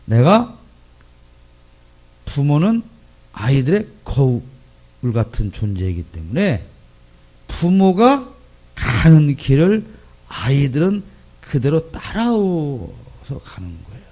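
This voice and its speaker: A male pastor giving a sermon in an animated, emphatic way, often putting questions to the congregation. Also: fairly high pitch, slow, pauses often.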